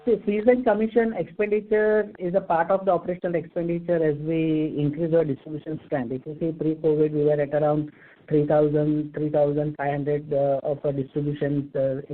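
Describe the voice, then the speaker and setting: Man, Indian accent, company executive, methodical formal explanations, slightly high voice, tinny phone audio. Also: little pitch movement, a little fast. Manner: formal, methodical, enumerating points. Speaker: company executive answering investor questions. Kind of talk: explanatory earnings call answers. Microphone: telephone conference call. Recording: tinny narrow phone line.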